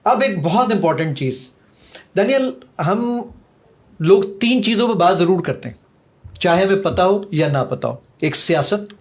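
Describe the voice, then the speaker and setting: A man's voice: sits high, expressive. A middle-aged man, an app developer, eagerly walking a host through a live demo in a podcast interview. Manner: eager, rapid-fire demonstrating, counts seconds aloud.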